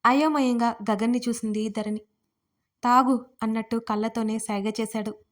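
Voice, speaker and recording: Woman, storyteller, romance audio story, steady reading, fairly high voice. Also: normal speed. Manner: steady reading of romance prose with English words mixed in. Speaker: writer and narrator of audio stories. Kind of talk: scripted storytelling narration.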